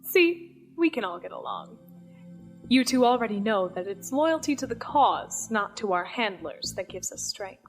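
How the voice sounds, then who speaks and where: An actress playing a cold, commanding villain in an audio drama, measured and menacing in manner. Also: female voice, medium pitch, sing-song, soft background music. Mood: controlled, smug. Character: cold, commanding female villain, leader of conspirators.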